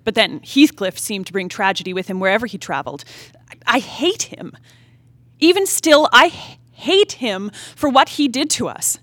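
A woman acting a wilful, discontented young married woman in a period stage drama, in a reflective, halting, emotive soliloquy. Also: fairly high pitch, animated, fairly bright tone, no echo. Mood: wistful, then bitter. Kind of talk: theatrical play reading, period drama monologue. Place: theatre stage, live play reading.

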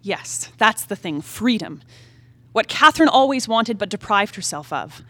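A woman acting a wilful, discontented young married woman in a period stage drama, in a reflective, halting, emotive soliloquy. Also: mid-range voice, lively intonation, pushed and bright, no echo. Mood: discontented, realising. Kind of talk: theatrical play reading, period drama monologue. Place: theatre stage, live play reading.

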